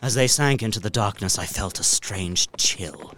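An actor playing an earnest, uneasy gentleman traveller, narrating his journal in a deliberate, literary gothic drama style. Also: lowish voice, slight background noise, natural voice. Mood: fearful awe. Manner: literary, deliberate, expressive storytelling.

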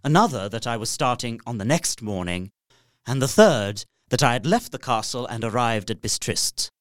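A man's voice: mid-range voice, expressive, normal speed, fairly bright tone, no room sound, clean studio sound, natural voice. An actor playing a horrified young solicitor, narrating his journal in an earnest, formal way for a radio play. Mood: uneasy. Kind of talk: dramatic first-person narration, radio play.

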